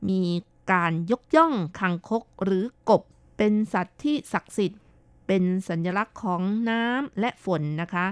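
A woman co-hosts a radio chat show with a smooth, clear voice, reading listener comments aloud. She talks in a chatty, playful way with polite sentence endings. The studio sound is dry and close. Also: mid-range voice, animated, moderate pace, no echo. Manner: chatty, playful, ends phrases with polite particles. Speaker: radio co-host.

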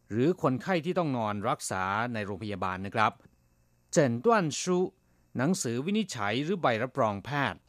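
A man's voice: mid-range voice, a bit bright, no echo, clean studio sound. A man hosting a radio language lesson, patiently explaining each word and repeating it. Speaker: radio host and Chinese language teacher.

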